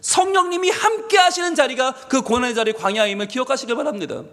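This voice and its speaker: A male pastor preaching a sermon, emphatic and lively, leading the congregation to read scripture aloud. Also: very high voice, fast talker. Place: church sanctuary. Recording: long hall reverb.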